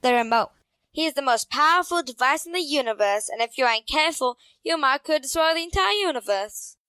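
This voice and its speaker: A woman's voice: high voice, expressive, brisk, bright, forceful tone, no echo. A woman playing a reasonable, cautious young twin sister in an audio drama. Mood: earnest warning.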